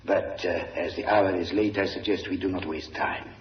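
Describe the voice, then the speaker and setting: A man's voice: sits low, steady tone, moderate pace, a little hiss or hum, close to an everyday voice. An actor playing a suave, scheming male crime boss who talks with silky, over-polite menace in an old radio drama. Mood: smug menace. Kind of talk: 1940s radio drama acting. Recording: dull roomy old radio recording.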